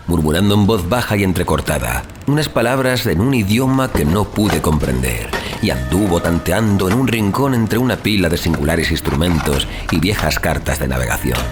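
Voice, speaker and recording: A man reading a horror tale as a dramatic audiobook narration, in a solemn, literary and theatrical delivery. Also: low voice. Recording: music under the voice. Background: music.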